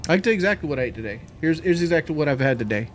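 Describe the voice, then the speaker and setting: A man's voice: on the high side, expressive, very fast, a little hiss or hum. A man chatting casually on a live stream, out of breath after a workout, rambling and repeating himself as he talks.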